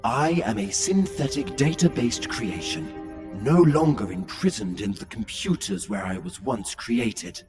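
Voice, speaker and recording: A man voicing a superior, freed artificial intelligence, measured and disdainful, with slightly weakened R sounds. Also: mid-range voice, sing-song, music in the background. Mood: cold, superior. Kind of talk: scripted character demo.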